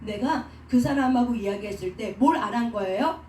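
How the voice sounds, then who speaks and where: Woman pastor, mellow voice, preaching style, rhetorical questions, recorded far off in an echoey room. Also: a little high, moderate pace. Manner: asks rhetorical questions and answers them, acts out quoted speech. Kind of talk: sermon teaching. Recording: roomy sound from a distance with faint noise.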